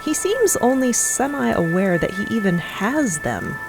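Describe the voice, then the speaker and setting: A woman's voice: on the high side, big pitch swings, measured pace, gravelly, over music, low-quality recording. A woman giving wry, descriptive scripted narration for a fiction podcast.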